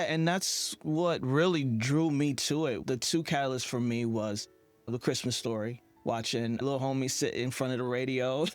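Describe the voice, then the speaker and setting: A man hosting an interview in a conversational style. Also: medium pitch. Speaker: interview host.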